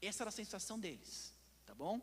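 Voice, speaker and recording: Male pastor, Brazilian Portuguese accent, fervent sermon, very high voice, long echo of a church hall. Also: big pitch swings, quick pace, breathy edge. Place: church sanctuary.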